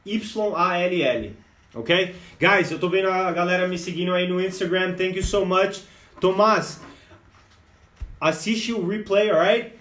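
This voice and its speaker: A Brazilian man with a fairly high voice, giving a lively English lesson on a live stream. He speaks with a Brazilian Portuguese accent and keeps calling his viewers "guys". The sound is echoey, and he sits a little back from the mic. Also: a little slow, distant mic. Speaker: English teacher. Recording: echoey room, voice a bit off-mic.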